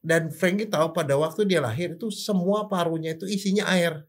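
An older man with a somewhat high voice explains things the way a doctor would. He keeps it casual, tossing out rhetorical questions and playful sound effects as he goes. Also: a little fast. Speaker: forensic doctor.

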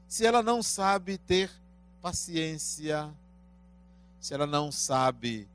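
A man in his fifties from Brazil giving a spiritist lecture into a handheld microphone in a small room, asking rhetorical questions in a measured way. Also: a little high. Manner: slow, deliberate, rising and falling in loudness.

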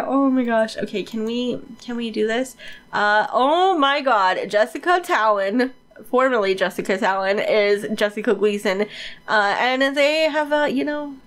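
A woman with a stuffy nose from a cold, giving chatty, informal game commentary as a channel host, repeating words for emphasis. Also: fairly high pitch.

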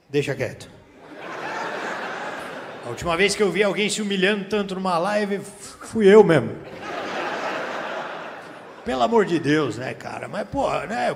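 On a theater stage, a Brazilian comic holding a handheld mic ribs the audience with crude slang, drawing laughter. He speaks in a high-pitched voice with vocal fry, and the room echoes with faint background noise.

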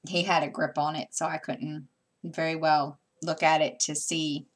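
A woman's voice: low-pitched, flat delivery, normal speed. A middle-aged woman chatting casually at home while she stitches, rambling with plenty of fillers and restarts. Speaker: stitching vlogger. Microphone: camera mic.

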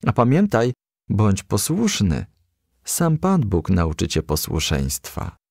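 A kindly, ailing lady firefly from a storybook, as a male narrator reads her. She speaks in a gentle, consoling manner, with a creaky voice and lively swings of pitch. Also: slow, dry recording, studio quality, heavily acted. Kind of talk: children's storybook character reading.

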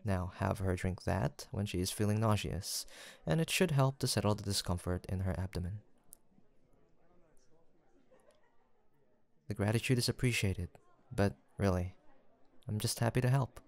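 A man playing a gentle, kindly young village apothecary in a soft roleplay audio drama, speaking politely and formally with attentive reassurance. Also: fairly low pitch, moderate pace, vocal fry. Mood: caring, courteous.

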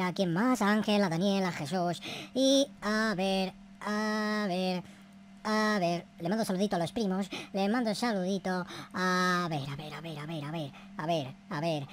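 A woman's voice: mid-range voice, slight background noise. A woman hosting a gaming video, giving theatrical, slangy, profane Minecraft roleplay commentary full of exclamations. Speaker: gaming video creator and host.

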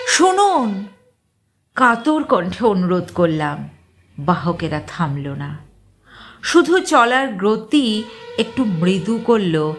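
Female narrator for spooky fiction: unhurried, widely varied intonation, deliberate pauses, suspenseful dramatic read. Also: on the low side, slight background noise. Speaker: storyteller reading fiction aloud. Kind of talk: dramatic scripted narration of an eerie short story.

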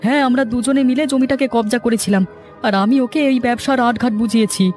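A woman's voice: on the high side, fast, a little mellow, soft background music, close to an everyday voice. A woman voicing a betrayed, indignant male village swindler in a cartoon, full of grievance. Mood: indignant, aggrieved. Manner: indignant, aggrieved. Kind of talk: dramatized cartoon dialogue.

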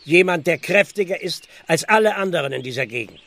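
An actor playing a stubborn, overburdened village constable in a German radio play, officious and drily ironic. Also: male voice, on the high side, lively intonation, fairly quick, creaky, bright, forceful tone, full character voice. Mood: suspicious. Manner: officious, dry irony.

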